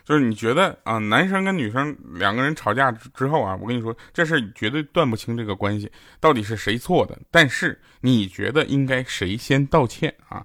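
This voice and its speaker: A man's voice: medium pitch, animated, fairly quick, few pauses, a bit bright, no room sound, clean studio sound. A man hosting a comedy show, telling funny stories in a chatty, teasing way. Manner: chatty, teasing, acts out quoted lines. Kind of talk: comic storytelling monologue. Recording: clear background music under the voice.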